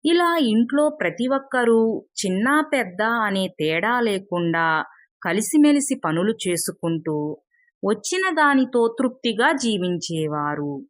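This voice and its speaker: Slow, measured woman storyteller. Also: fairly high pitch, sing-song, no room sound. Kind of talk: scripted narration of a moral tale.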